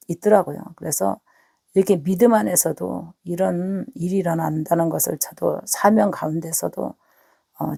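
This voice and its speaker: A middle-aged woman pastor, hoarse from a cold, giving an earnest spoken testimony straight to her listeners. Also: lowish voice, mellow, dry recording. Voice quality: husky, gravelly. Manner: earnest, repeats words, talks to listeners directly. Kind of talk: spoken testimony to online viewers.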